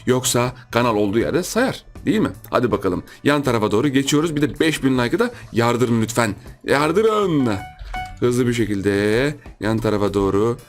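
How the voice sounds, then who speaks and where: A man hosting a gaming channel, giving lively gameplay commentary, repeating himself and yelping in surprise while chatting to his viewers. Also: mid-range voice, moderate pace, soft background music. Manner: excitable, repeats phrases, shouts in surprise; chatty, addresses viewers as friends.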